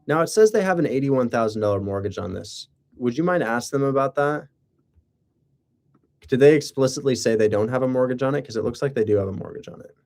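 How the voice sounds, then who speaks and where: A man's voice: mid-range voice, animated, fast, a little mellow. Casual sarcastic male livestreamer. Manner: sarcastic, rhetorical questions. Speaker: live streamer and real estate wholesaler. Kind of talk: casual livestream chat, rambling commentary.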